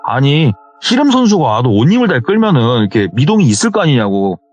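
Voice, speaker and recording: A man's voice: medium pitch, very animated, fast. A man voicing a frightened young man who stammers and repeats himself in fear, on a slightly dull recording. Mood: insistent. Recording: slightly dull, faint music behind.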